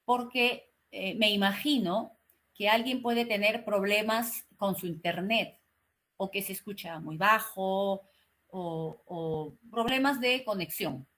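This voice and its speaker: Woman teacher explaining slowly and clearly. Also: medium pitch, fairly bright tone. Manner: slow, carefully articulated explaining; frequent "¿no?" and "eh" fillers. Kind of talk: online class lecture. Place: home, online class.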